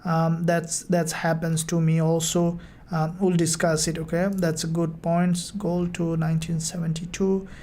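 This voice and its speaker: Woman, live-stream host, relaxed dark tone, little pitch movement, halting casual speech, mentor answering questions. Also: slight background noise.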